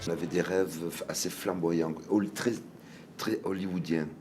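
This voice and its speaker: Very deep-voiced man, music behind. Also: fairly even intonation, unhurried, a little mellow. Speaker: documentary interviewee. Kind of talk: interview clip.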